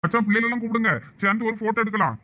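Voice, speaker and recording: A man's voice: high-pitched, very fast, highs cut off, lightly acted. A man voicing a flustered young village husband in a comic cartoon family drama, with a Thoothukudi Tamil accent and a pleading, coaxing manner. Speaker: cartoon voice actor.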